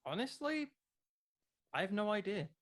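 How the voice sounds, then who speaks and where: A man's voice: high voice, big pitch swings, moderate pace, fairly bright tone. Casual man thinking aloud in an interview. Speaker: podcast creator being interviewed.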